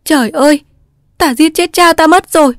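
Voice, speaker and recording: A woman voicing a small young girl crying out desperately to her father, high and sobbing. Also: moderate pace, dry recording, clean studio sound, lightly acted. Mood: panicked. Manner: high cries.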